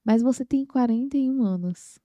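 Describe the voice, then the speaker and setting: Young Brazilian woman hosting, higher-pitched voice. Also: normal speed, dry recording, lo-fi sound. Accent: Brazilian Portuguese. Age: 20s. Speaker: podcast host. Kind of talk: conversational interview.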